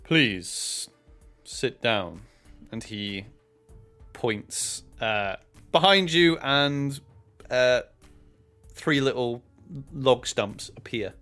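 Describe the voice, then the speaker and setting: Guy dming a tabletop game, takes his time, halting descriptive narration, soft music in the background. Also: medium pitch, animated, clean tone. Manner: hesitant, descriptive, pausing mid-phrase. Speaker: game master.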